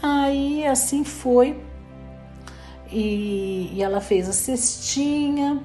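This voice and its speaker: Woman, storyteller, mellow voice, soft music behind. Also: high-pitched, extremely slow. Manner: lively, voices characters in quotes. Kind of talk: casual oral fairy tale telling.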